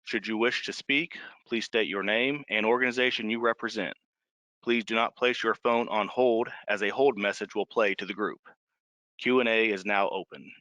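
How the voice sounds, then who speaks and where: An American man reading a formal scripted public briefing on a conference call, measured and carefully enunciating numbers item by item. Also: fairly low pitch, fairly even intonation, pushed and bright, no echo, muffled recording.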